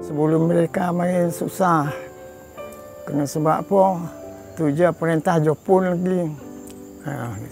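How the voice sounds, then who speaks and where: Over music in the background, a man with a fairly high pitch talks at a fairly slow pace with fairly even intonation. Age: 80s+. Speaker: war survivor. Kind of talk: interview answer.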